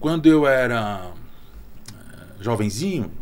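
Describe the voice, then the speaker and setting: A man talks at a very slow pace, his voice carrying audible room echo. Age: 60s. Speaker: company CEO. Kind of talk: casual interview.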